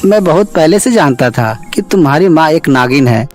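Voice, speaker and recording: A man's voice: on the high side, animated, normal speed, darkish tone, faint music behind, close to an everyday voice. A man playing a scheming, cruel young husband in a storybook tale, mocking and theatrical. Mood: mocking, smug.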